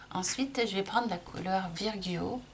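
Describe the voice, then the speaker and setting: A woman's voice: mid-range voice, a little hiss or hum. A middle-aged woman chatting casually through a makeup tutorial, explaining each step with lots of small restarts. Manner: chatty, explains while applying, frequent restarts and fillers. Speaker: makeup vlogger.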